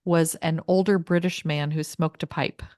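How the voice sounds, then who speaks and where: A woman's voice: low-pitched, fairly even intonation, measured pace, a little mellow. A middle-aged woman hosting an interview, chatty and rambling, often laughing as she talks. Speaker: podcast host and coach. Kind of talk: casual interview chat.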